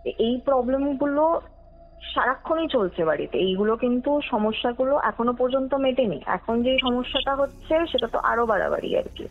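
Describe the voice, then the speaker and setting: A woman's voice: fairly high pitch, lively intonation, moderate pace. Young woman telling a story on a phone call, tinny sound, music behind, mixes in english words. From West Bengal, India. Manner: mixes English words, often checks listener follows. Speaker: podcast guest telling her true ghost story. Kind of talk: conversational personal storytelling. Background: background music.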